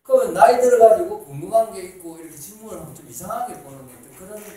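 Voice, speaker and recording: A man's voice: sits high, expressive, fast talker, mellow. A man asking an interviewee long, rambling questions in a casual way. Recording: distant, echoey, faint noise.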